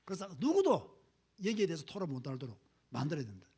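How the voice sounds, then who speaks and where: Middle-aged pastor, husky, emphatic preacher with a lively, swooping delivery. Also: male voice, quick pace. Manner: emphatic, swings from low asides to loud exhortation. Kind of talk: sermon.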